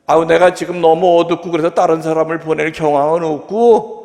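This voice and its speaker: A man's voice: a little high, fairly even intonation, brisk, gravelly, a little mellow, voice pushed up. A man voicing Jesus in a humorous homily story, talking in a dry, brusque, commanding way. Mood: brusque teasing. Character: Jesus, calm, teasing, gently stern. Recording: long reverb of a large hall.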